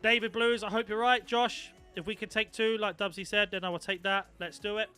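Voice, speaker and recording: Bright-voiced young man streaming. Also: high-pitched, fairly even intonation, brisk, smooth, soft background music. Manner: chatty, swearing, reacting to chat. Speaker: gaming streamer. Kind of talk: casual live-stream chat.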